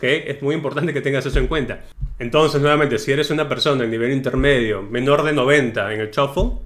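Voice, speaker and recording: A man's voice: mid-range voice, a bit bright. A man tutoring for an English exam in a casual video lesson, talking straight to the viewer with frequent tag questions. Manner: chatty, tags sentences with ¿no? and ¿ok?; direct, advising tone, addresses the viewer as tú.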